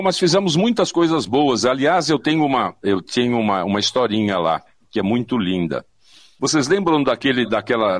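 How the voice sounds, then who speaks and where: Here an older São Paulo native, long experienced in advertising audio and voice work, swaps stories casually as an interview guest over a remote online link. He's lively, imitating people's words and repeating lines to stress them, and his medium-pitched voice comes through a dry recording.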